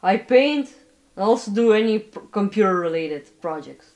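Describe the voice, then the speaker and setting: A man's voice: high-pitched, animated, moderate pace, darkish tone. A man from Canada giving casual, reflective answers as an interview guest. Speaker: interview guest, musician and painter.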